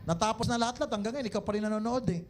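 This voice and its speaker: A man's voice: sits high, very fast, a little hiss or hum. A man with a Filipino accent, the owner of a company, giving a live sales seminar and teasing his audience with jokes and rhetorical questions.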